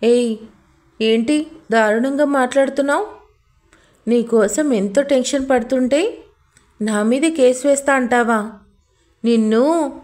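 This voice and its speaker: A woman's voice: high-pitched, measured pace, long pauses, a little mellow. A woman voicing an intense, devoted young husband in a storybook audio drama, speaking emotionally. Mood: relieved teasing.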